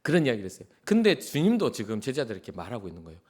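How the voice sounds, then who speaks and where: Middle-aged male pastor, conversational sermon delivery, very expressive pitch, acts out quotes. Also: very fast. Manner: animated, conversational, acts out quotes, drops to soft whispers. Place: church sanctuary.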